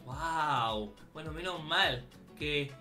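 A man giving excitable let's-play commentary, often shouting and calling out in a frantic way. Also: a little high, extremely slow, faint music behind. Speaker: Roblox gaming YouTuber.

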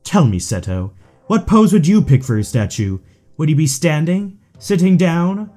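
A man's voice: a little high, lively intonation, normal speed, dark tone, soft background music. A man playing a suave, theatrical villain in an audio drama, taunting his rival with mock affection. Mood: cruelly mocking. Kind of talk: fan audio drama acting.

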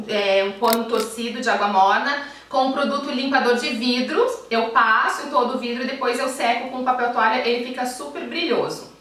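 A woman's voice: sits high, sharp tone. A woman in her thirties with a Brazilian Portuguese accent, chatting casually in a home vlog from her kitchen and gesturing as she explains. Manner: chatty, friendly, talks with her hands, frequent restarts. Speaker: home organization vlogger. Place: modern home kitchen, indoors. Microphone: camera at medium distance. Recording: echoey, distant, with background music.

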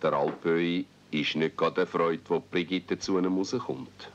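Male narrator, Swiss German, very low register, radio-play storytelling, slightly muffled vintage 1970s recording. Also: fairly even intonation, normal speed, slight background noise.

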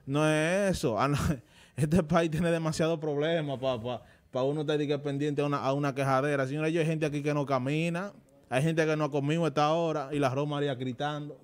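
A man's voice: fairly high pitch, fairly even intonation, brisk, clean tone. Indignant Dominican man scolding on air. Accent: Dominican Spanish. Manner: indignant, scolding, tells anecdotes with animal yelps. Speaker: co-host of a talk show. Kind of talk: opinionated studio debate.

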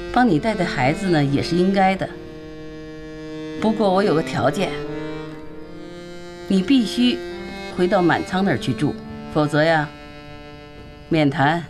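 A woman's voice: on the low side, lightly acted. An actress in her fifties playing a bossy mother who nags and scolds her grown daughter in a TV drama. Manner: scolding, nagging, insistent. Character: bossy, scolding middle-aged mother, quick-tempered. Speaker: mother and grandmother. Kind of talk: TV drama acting.

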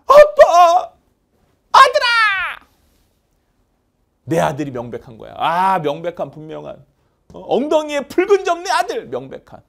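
A man gives a lively English vocabulary lecture, chanting word lists over and over and acting out little skits. His voice is fairly high, brisk, and gravelly.

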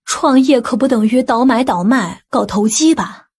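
A woman's voice: on the high side, moderate pace, a little mellow, slightly rough. A woman playing a stern, principled middle-aged aunt in an audiobook, blunt and skeptical. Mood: disapproving. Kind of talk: audiobook character acting.

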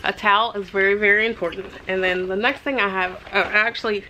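A middle-aged woman talks straight to her camera in a relaxed vlog, chatty and upbeat with lots of little asides. Her voice is bright and forward, and a faint background hum sits under it. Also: medium pitch, fast talker, rough recording. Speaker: vlogger. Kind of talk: casual chat to camera. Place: parked car, then a bedroom.

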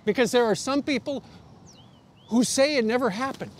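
A high-voiced American man in his sixties hosts a live news interview. His delivery is conversational and halting. City noise sits behind him in the open air. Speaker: TV news host interviewing guests. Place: outdoor rooftop terrace in a city. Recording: outdoor live broadcast, clear background noise.

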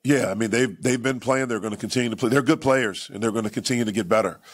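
A man in his forties, a basketball head coach answering reporters at a postgame press conference, speaking in a measured way with frequent "you know" and repeated phrases, into table microphones. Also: medium pitch, husky. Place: press conference room with sponsor backdrop.

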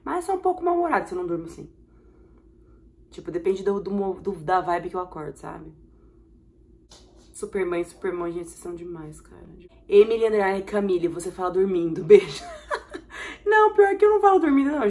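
A young woman with a Brazilian Portuguese accent, chatting expressively while reacting to viewer comments in a vlog, with sudden excited bursts. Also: on the low side, brisk. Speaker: vlogger.

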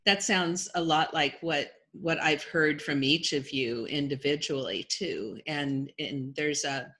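A woman hosts an online panel from a video call, often restarting her phrases. Her voice sits low yet sounds bright and crisp. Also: a little slow. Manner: repeats words as she speaks. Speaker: host.

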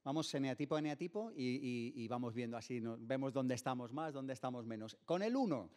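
A man's voice: mid-range voice, lively intonation, brisk, a little mellow. A middle-aged man with a Spanish accent from Spain hosts the interview, asking questions and steering with short prompts. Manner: conversational, leads with short prompts. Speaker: host. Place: event stage. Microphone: studio mic on stand.

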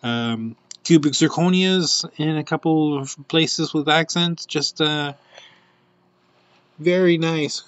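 A man's voice: a little high, takes it slowly, no echo. A man hosting a casual live showcase, describing jewelry pieces in a chatty, rambling way with many fillers. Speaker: host presenting jewelry findings.

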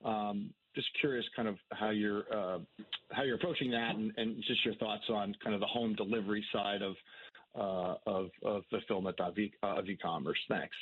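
A husky-voiced man asks a question as an analyst on a conference call. He halts and repeats himself often. His voice comes over a thin, tinny phone line. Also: on the low side, steady tone. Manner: halting, repeats words. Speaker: financial analyst caller.

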